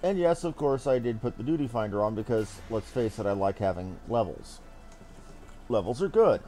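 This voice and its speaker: A man's voice: mid-range voice, lively intonation, moderate pace, dark tone, soft background music. A man streaming a game, giving chatty, casual commentary full of informal slang.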